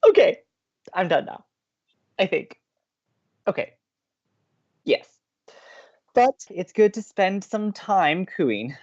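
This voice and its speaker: A woman acting as a sweet, earnest, sentimental college radio co-host in an audio drama, with expressive delivery. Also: mid-range voice, slow, pauses often, highs cut off. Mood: delighted, cooing. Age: young adult. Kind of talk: naturalistic audio drama banter.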